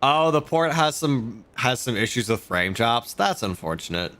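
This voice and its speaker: Male streamer, casual profane banter, animated pitch. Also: moderate pace. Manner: profane, joking asides to chat. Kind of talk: casual gameplay commentary.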